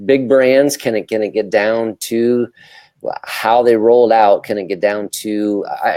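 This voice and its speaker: A man with a fairly low voice in very dry sound, commenting casually as a co-host. His delivery is tentative, with stammers and searching restarts. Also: darkish tone, no room sound. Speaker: talk show co-host.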